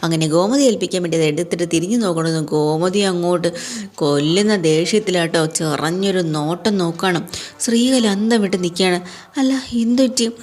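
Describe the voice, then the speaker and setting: A woman's voice: fairly low pitch, moderate pace, darkish tone. A woman casually retelling a television serial episode in a chatty storytelling way, adding little tag words to her sentences. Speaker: serial recap presenter.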